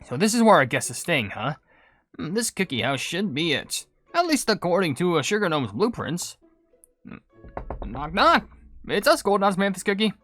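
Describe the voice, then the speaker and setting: A man's voice: sits high, sing-song, normal speed, fairly bright tone, faint music behind, exaggerated voice. Man playing an eager, chirpy little cookie hero. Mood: curious. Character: eager, friendly cookie hero, helpful and easily awed. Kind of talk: video game cutscene character voice.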